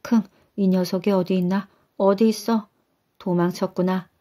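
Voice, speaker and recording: A woman's voice: medium pitch, steady tone, moderate pace, dark tone, natural voice. A woman voicing a grumpy old man with a blocked nose who snorts before he talks and scolds his wife. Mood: scolding.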